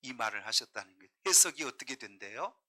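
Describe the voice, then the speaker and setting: A male pastor preaching a sermon, emphatic and full of questions to the congregation, often dropping to a hush and then rising again. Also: mid-range voice, expressive, fast. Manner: emphatic preaching, questioning the congregation, swinging between loud and hushed.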